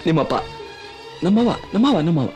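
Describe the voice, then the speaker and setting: A man's voice: sits high, big pitch swings, fairly quick, warm tone, soft background music. A man playing a brash young rowdy who teases and threatens the woman he loves, repeating his words and swinging to sudden threats. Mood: menacing teasing. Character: brash young male rowdy, menacing lover. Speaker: lead actor in a feature film. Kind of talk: dramatic film acting. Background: film score.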